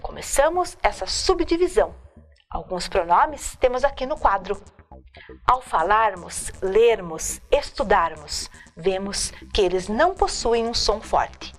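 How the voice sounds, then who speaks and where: A woman teacher giving a recorded grammar lesson, slowly and deliberately listing examples one by one at a board. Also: medium pitch, sing-song, soft background music. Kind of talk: video lecture on grammar.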